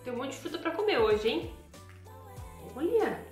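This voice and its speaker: A woman's voice: high-pitched, big pitch swings, moderate pace, soft background music. Chatty brazilian woman in an echoey kitchen. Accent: Brazilian Portuguese. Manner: chatty and playful, joking asides to viewers. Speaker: YouTuber testing products. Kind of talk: casual product-testing chat to camera.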